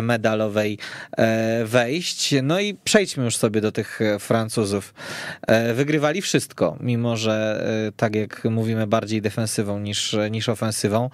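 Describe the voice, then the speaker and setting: A man hosting a sports radio discussion, speaking in deliberate, measured phrases. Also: mid-range voice, no echo. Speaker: podcast host.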